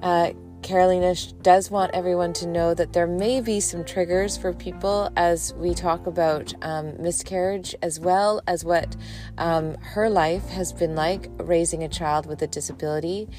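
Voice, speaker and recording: A woman hosting a podcast in casual chat, emotional and gushing, often filling pauses with um and uh. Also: fairly low pitch, steady tone, a little mellow, soft background music. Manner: emotional, gushing, many ums and uhs. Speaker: podcast host.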